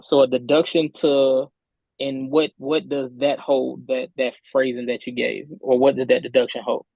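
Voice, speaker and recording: A man's voice: medium pitch, level tone, moderate pace, vocal fry, a little mellow, no echo. A man speaking as a defendant in a remote court hearing over buzzy, glitchy call audio, stammering and repeating words as he presses his point. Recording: dull, dry call line.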